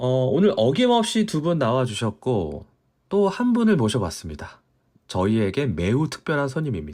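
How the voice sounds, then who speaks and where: A man speaks at a medium pitch with very wide pitch swings. The recording is very clean, with a silent background. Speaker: football podcast host. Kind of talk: casual podcast chat. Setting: podcast recording late at night.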